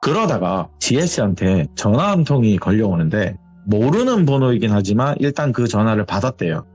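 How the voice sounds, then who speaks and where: A man's voice: fairly low pitch, big pitch swings, a little fast, a little mellow, husky. A man narrating a listener's ghost story in a conversational way, acting out the voices. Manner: conversational, dramatic asides, acts out voices. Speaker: horror radio storyteller. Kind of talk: told horror story narration.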